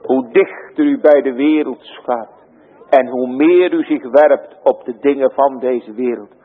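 A man preaching a sermon in a church, solemn and slow, rising to emphatic cries. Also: medium pitch, husky, big-room sound, phone-quality sound.

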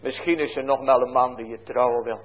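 Preacher doing old widow mother-in-law, coaxing, earnest, husky, phone-line sound. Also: medium pitch, steady tone, a little fast, lightly acted. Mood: urging. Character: older widowed mother-in-law, gently urging. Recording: tinny phone-like lo-fi recording.

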